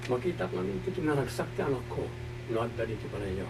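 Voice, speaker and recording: A man's voice: medium pitch, big pitch swings, quick pace, creaky, music in the background. A man playing a kindly working father in an audio drama, speaking politely and persuasively. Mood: earnest. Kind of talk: amateur drama acting. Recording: distant mic with loud hum.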